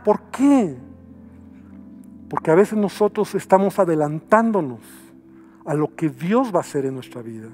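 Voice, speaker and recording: A pastor preaching a sermon with a Mexican Spanish accent, acting out people's pleas in short dramatic bursts and dropping to a near murmur to stress a point. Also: male voice, sits high, darkish tone.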